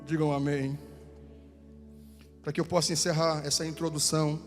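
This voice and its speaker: A man with a Brazilian Portuguese accent preaching a fervent Pentecostal sermon in a church, repeating phrases and rising to shouts. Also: a little high. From southern Brazil. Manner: fervent, repetitive, rises to shouting. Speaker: pastor. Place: church sanctuary. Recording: church hall with long reverb, faint music.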